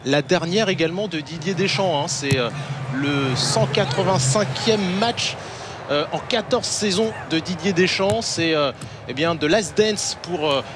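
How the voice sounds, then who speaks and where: A man with a high, raised voice calls every move of the match, stumbling over fillers as the action runs on. there is a clear wash of noise behind him. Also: a little slow. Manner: excited, many fillers. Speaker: play-by-play commentator. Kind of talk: live match commentary.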